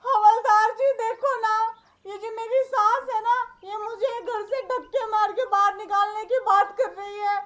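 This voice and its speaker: A woman voicing a sharp-tongued, cheeky new bride in a cartoon skit who talks back to her mother-in-law. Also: very high voice, normal speed. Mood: tearful. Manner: cheeky, combative.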